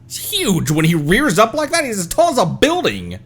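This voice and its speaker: A man giving casual live gameplay commentary as a streamer, with an excitable manner. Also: sits high, normal speed, gravelly, faint music behind. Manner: excitable, animated.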